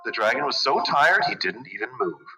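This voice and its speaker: A man narrates a children's storybook with hugely animated pitch swings. His voice is bright and forceful, and faint music plays behind him. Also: fairly quick, rough recording. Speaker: storybook show host and narrator.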